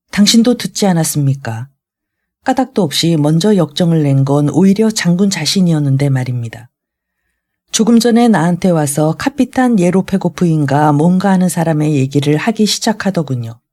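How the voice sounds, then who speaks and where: A sardonic young man argues and needles with a cold, mocking edge in a storybook reading. The voice is mellow in tone at a middle pitch, as a reader acts him out. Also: expressive, normal speed, natural voice. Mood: sarcastic. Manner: sarcastic, argumentative.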